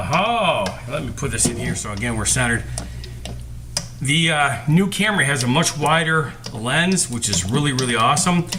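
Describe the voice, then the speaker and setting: Lively intonation carries at a moderate pace through audible room echo and noticeable background noise. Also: man, fairly high pitch for a man. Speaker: cooking show host and costume entertainer. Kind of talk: cooking tutorial. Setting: home kitchen. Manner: casual, with filler words. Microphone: recorded with cheap action camera.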